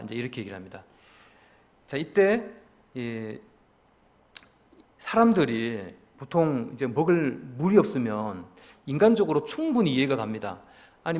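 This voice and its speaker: A man's voice: medium pitch, darkish tone. A man pastor with a Daegu regional accent, preaching an expository sermon in a church and acting out the complaining crowd in a raised voice. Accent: Korean, Daegu region. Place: church sanctuary.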